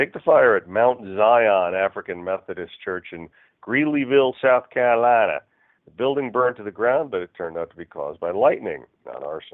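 An unremarkable speaking voice with lively intonation and big swings in loudness. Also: man, medium pitch for a man. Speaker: radio show co-host. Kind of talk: casual chat.

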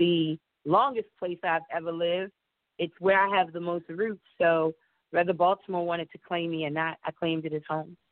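A woman speaks with an American accent in an unremarkable speaking voice, fairly low in pitch. Her pace is moderate and her intonation fairly even. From Maryland, Prince George's County. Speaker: radio personality. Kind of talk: casual interview chat.

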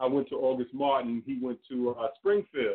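In an ordinary speaking voice, this man holds a medium pitch and a moderate tempo, his pitch varying in an ordinary way. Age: 50s. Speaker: caller. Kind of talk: casual phone chat.

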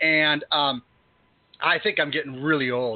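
The intonation stays fairly even. Delivery comes at a fairly slow pace. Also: man. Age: 40s. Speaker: podcast host. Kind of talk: casual chat. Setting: call-in radio show.

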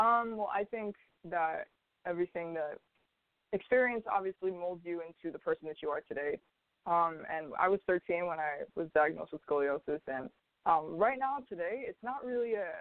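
A woman with an American accent has an unremarkable speaking voice. She speaks fairly low in pitch at a moderate pace. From South Florida. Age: young. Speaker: singer-songwriter. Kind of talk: interview.

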